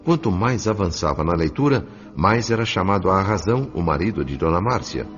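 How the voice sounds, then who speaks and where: A deep-voiced Brazilian man narrates a dramatic audiobook. His delivery is solemn and theatrical, with wide melodic swings, over a soft music bed. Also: lively intonation. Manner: theatrical, solemn, deliberate phrasing. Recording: slightly dull sound, music bed underneath.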